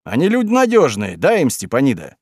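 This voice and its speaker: A man's voice: mid-range voice, huge pitch swings, fairly quick, a little mellow, no room sound, studio quality. A man voicing an earnest middle-aged village foreman who speaks firmly and persuasively. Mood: persuading. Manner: firm and persuasive.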